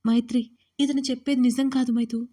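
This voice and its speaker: A woman's voice: high-pitched, level tone, fast, mellow. A woman voicing a young woman who tries tearfully and urgently to explain herself to her friend, in an audio story.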